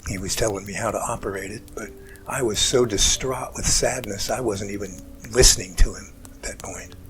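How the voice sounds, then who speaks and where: A man playing an emotional rescuer in an amateur audio drama, recounting events in an earnest, halting, dramatic way. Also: lowish voice, steady tone, a bit bright, natural voice. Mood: distraught, tearful. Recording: music bed under the voice.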